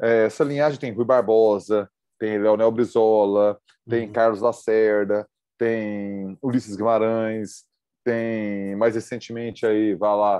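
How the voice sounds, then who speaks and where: Against a quiet background with a dry sound and no echo, a man speaks fairly slowly at a fairly low pitch with monotone, flat intonation. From Brazil. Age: 40s. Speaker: political commentator. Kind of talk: casual chat. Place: home room. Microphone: studio mic.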